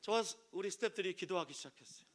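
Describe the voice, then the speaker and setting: A male pastor preaching a sermon to an audience, swinging from loud cries to near-whispers and acting out the voices in his stories. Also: sits high, rapid-fire. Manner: acts out quoted voices in stories.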